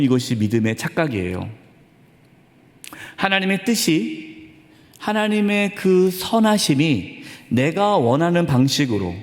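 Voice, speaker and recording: A man who is a pastor, preaching a sermon emphatically, with dramatic pauses, in a church sanctuary. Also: on the high side, long reverb tail.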